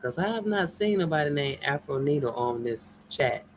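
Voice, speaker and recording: Low-pitched and moderately paced, a woman with an African American English accent from the United States live-streams from home in Nigeria, chatting animatedly, teasing viewers folksily and laughing often. There's slight background noise.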